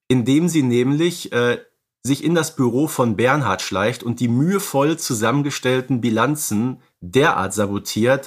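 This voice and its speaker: A man co-hosting a podcast, casually analysing films and recapping their stories. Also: medium pitch. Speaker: podcast co-host.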